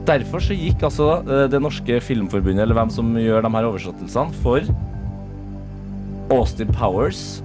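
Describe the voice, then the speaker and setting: A man's voice: medium pitch, hardly any pauses. A man hosting a morning radio show in a studio, chatting casually. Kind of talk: casual chat. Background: music.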